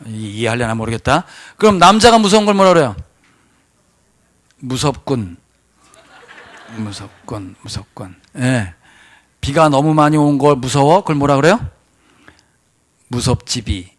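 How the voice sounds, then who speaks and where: Animated pastor, man, slightly high voice. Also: fast. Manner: animated, rhetorical questions to the congregation. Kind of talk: sermon. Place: church sanctuary.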